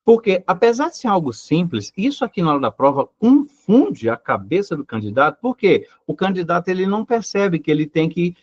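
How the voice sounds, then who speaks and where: Guy teaching grammar live, high animated voice, keeps asking rhetorical questions, dry dull-ish audio. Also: a little fast, hardly any pauses, no room sound. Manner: emphatic and repetitive, full of rhetorical questions. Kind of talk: live online grammar lesson. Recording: dry, slightly dull recording.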